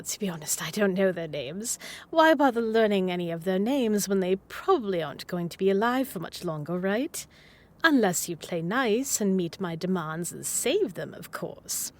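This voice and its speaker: A woman's voice: medium pitch, darkish tone. A woman playing a playful, obsessive, needy supervillain who is smitten with the hero, in a scripted roleplay spoken to the listener with coy, dramatic emphasis. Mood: mock-sweet menace.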